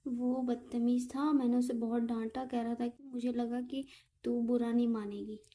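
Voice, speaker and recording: A woman's voice: on the high side, level tone, moderate pace, dark tone. A young woman in an intimate relationship conversation, speaking in an apologetic, pleading and hesitant way. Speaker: girlfriend in a relationship call.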